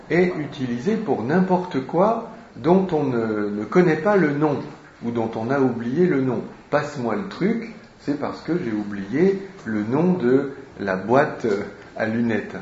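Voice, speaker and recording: Brief: male teacher explaining a novel slowly, thinking aloud, in a roomy, muffled recording. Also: mid-range voice, darkish tone, slight background noise. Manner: slow and deliberate, with frequent hesitations. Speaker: literature teacher.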